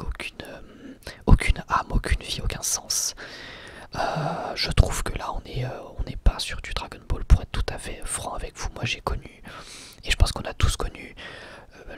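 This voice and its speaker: A young man speaks in a breathy whisper close to the microphone, giving casual, unscripted ASMR commentary with hesitant pauses. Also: mid-range voice, a bit bright.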